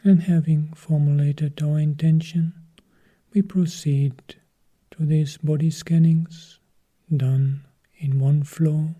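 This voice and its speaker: A man, a Buddhist monk, guiding a meditation in a calm, measured way, with long pauses and a soft, often half-whispered voice. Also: a little high. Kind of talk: guided meditation instruction.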